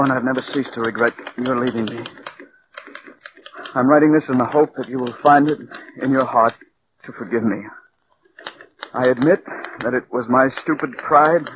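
An actor playing a distraught adult male radio writer, in halting, pleading 1940s radio acting, heard on a dull 1940s radio broadcast. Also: mid-range voice, a little hiss or hum, lightly acted.

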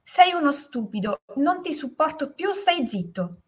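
A woman voicing a little boy in a spoken story, with a breathy voice. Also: sits high, sing-song, slow pace, darkish tone, voice pushed up, heavily acted. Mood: furious. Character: little boy, hurt and then angry.

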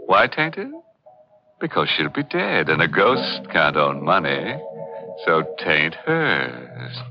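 An American actor playing a gleeful, sardonic horror host in 1940s radio style, with a drawn-out sinister delivery. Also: male voice, low voice, exaggerated voice. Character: ghoulish, gleeful male horror show host. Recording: dull old radio recording, organ music behind.

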